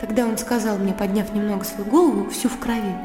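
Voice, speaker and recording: A woman's voice: mid-range voice, steady tone, fast, natural voice. A woman in her early twenties, an actress playing a willful, blunt young lady in a radio play. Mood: recalling. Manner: blunt, impulsive, scornful. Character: spirited, willful young lady, proud and scornful. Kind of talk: radio drama acting. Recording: roomy reverb with music underneath.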